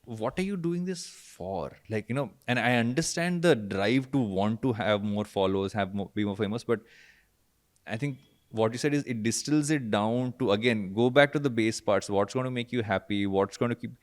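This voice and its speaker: A man's voice: lowish voice, moderate pace. A man hosting a conversational interview, reflective and thoughtful, rephrasing his points as he goes. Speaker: podcast host.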